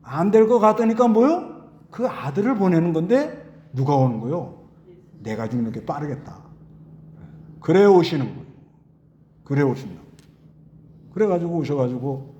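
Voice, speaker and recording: A man's voice: mid-range voice, darkish tone, slight background noise. A middle-aged male pastor giving a conversational sermon and putting questions to the congregation.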